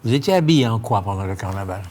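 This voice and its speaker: A man's voice: fairly low pitch, lively intonation, fast, darkish tone. Male TV interviewer, noisy background. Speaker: television host interviewing a guest. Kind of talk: political interview show. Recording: clear background noise.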